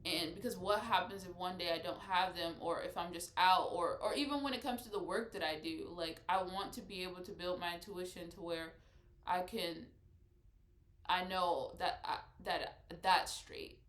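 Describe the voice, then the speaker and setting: A woman's voice: on the low side, moderate pace, fairly bright tone. Congested woman rambling in an echoey room. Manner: rambling, many restarts and "like"s. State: congested, nasal. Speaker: vlogger. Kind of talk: casual spiritual vlog talk.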